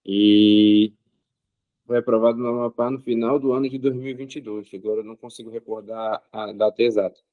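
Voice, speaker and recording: A man, an interview guest speaking in a measured way with frequent pauses and filler sounds. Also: on the low side, fairly even intonation, no room sound, phone-quality sound. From Rio de Janeiro state, Brazil. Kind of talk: casual interview answers.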